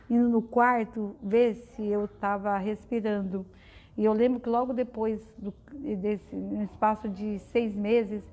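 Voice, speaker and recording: A woman's voice: fairly high pitch, mellow. A middle-aged woman giving a heartfelt personal testimony to an audience, talking conversationally with frequent fillers. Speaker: guest speaker at a spiritist study center.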